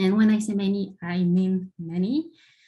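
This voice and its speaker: A woman speaks with a French accent and a dark, mellow tone. Her voice is somewhat breathy, with ordinary pitch variation. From France. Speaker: postdoctoral researcher. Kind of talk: lecture. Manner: halting, many fillers.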